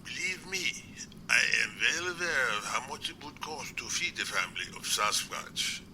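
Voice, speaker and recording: Guy acting as an earnest polite doctor in a radio play, average pitch, formal, noisy background. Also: sing-song, normal speed, sharp tone, full character voice. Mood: earnest, courteous. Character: earnest, courteous male doctor, secret Sasquatch researcher. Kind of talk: amateur audio drama acting. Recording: clear background noise.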